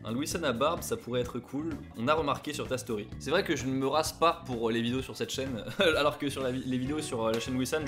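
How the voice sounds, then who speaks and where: A young man chatting casually on his vlog, reading out viewer messages and reacting with animated, sometimes loud mock outrage. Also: medium pitch. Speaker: YouTuber.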